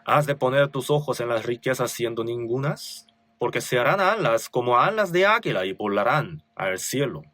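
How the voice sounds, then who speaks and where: Preaching man, lively pitch, Korean accent. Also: moderate pace, dry recording. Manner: preaching with rising emphasis on scripture readings; rhetorical tag questions. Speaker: pastor. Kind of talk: sermon.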